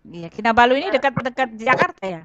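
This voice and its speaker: A woman hosting a casual video call, talking in a chatty, animated way and repeating herself. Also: fairly high pitch, fast talker. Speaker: host. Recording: muffled lo-fi with crowd noise.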